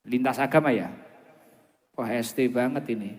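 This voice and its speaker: A man with a Javanese accent preaching informally over a PA at a large gathering, chatting and bantering with the crowd as he repeats phrases. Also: normal speed. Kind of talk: informal sermon with asides to the crowd. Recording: long booming reverb of an outdoor PA.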